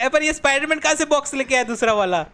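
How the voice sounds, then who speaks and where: Guy streaming a game, really high voice, keeps laughing and yelling at his buddies. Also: lively intonation, fast talker. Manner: laughs a lot, yells for help, coaches friends. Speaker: gaming streamer. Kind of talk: excited multiplayer gameplay commentary.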